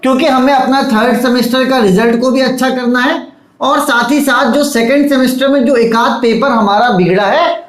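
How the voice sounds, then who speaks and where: A male teacher giving an online lecture to students, coaxing and fatherly, often pausing to check "okay?" and "look". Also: very high-pitched, echoey room, poor audio. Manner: repeats checks like "theek hai" and "dekho".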